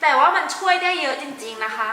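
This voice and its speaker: A young adult woman giving study tips in a casual tutorial vlog, chatty, with frequent soft polite sentence endings. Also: sits high, animated, fast. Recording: roomy echo with faint background music.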